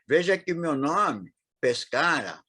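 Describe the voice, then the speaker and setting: A man in his eighties with a São Paulo accent, reminiscing as an interview guest, talking haltingly with frequent restarts and fillers. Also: a little high, sing-song, bright, forceful tone, slightly rough, dry recording, studio quality. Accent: Paulistano Brazilian Portuguese. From São Paulo, Brazil. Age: 80s.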